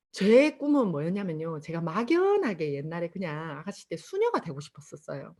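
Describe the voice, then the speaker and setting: A middle-aged woman with a Busan Gyeongsang accent, giving an animated testimonial speech to an audience and acting out the voices in her stories. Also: mid-range voice. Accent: Busan Gyeongsang dialect. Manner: animated storytelling with acted-out quotes. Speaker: motivational speaker at a sales seminar.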